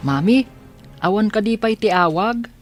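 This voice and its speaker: A woman voicing a blind young man in an audio drama, asking soft, curious questions. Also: medium pitch, a little slow, soft background music, natural voice. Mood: gentle. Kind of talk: radio drama acting.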